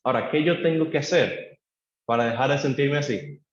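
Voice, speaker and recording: Man preaching in an echoey church. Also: moderate pace. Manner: acts out a believer's pleading prayers to God; leads the congregation in call-and-response. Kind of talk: sermon. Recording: echoey church room, dull low-fi sound.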